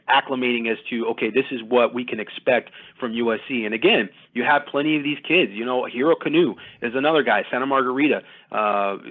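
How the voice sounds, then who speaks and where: A man giving casual, detailed sports recruiting analysis as a guest, talking conversationally at length. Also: mid-range voice. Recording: thin phone-like audio.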